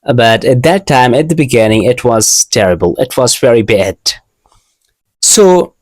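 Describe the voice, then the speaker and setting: A man's voice: medium pitch, animated, measured pace, dry recording. A young man from Asia, whose first language is an Asian language, gives a casual English lesson in earnest, learner English, often repeating and restarting phrases. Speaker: English teacher.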